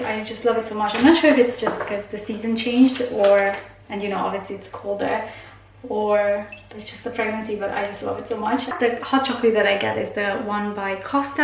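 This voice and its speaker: A young pregnant woman chatting casually to camera in her vlog, gushing and filling pauses with "um". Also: medium pitch, echoey room, slight background noise. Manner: chatty, gushing, many fillers. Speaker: vlogger.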